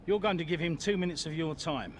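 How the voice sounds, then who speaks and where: An actor playing a firm, commanding racing team boss in a video game cutscene. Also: male voice, a little high, brisk, a little hiss or hum, lightly acted.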